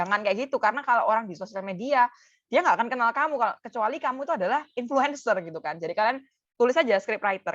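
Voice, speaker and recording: A woman's voice: medium pitch, fairly bright tone, dry recording. A young woman speaking as a guest in a webinar, giving casual advice in a chatty way with many fillers over a video call. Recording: muffled dry call audio.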